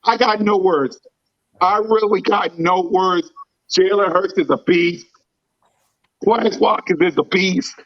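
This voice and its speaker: Man, sports podcast host, hype fan energy, hoarse scratchy voice, high and slow. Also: no room sound, dull audio. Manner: excited, hype fan talk. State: scratchy voice from screaming. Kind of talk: casual sports podcast chat.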